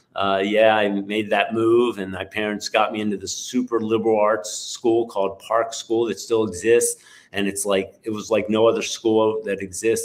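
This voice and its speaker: A man with a fairly low pitch speaks in a monotone, flat intonation at a moderate pace with hardly any pauses. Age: 60s. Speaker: magazine co-publisher and cannabis entrepreneur. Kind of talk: podcast interview.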